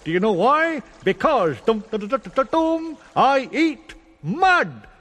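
A man voicing a boastful, cheeky male worm who draws his words out slowly. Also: very high voice, sing-song, a bit bright, pitched above the performer's own voice, heavily acted. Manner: slow, drawn-out and cheeky. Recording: reverberant room, faint music.

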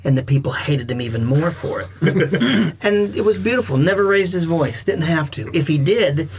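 A middle-aged man, a veteran wrestler and guest, telling stories in a casual chat, animated and swinging between loud and soft. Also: on the high side, moderate pace, a little hiss or hum.

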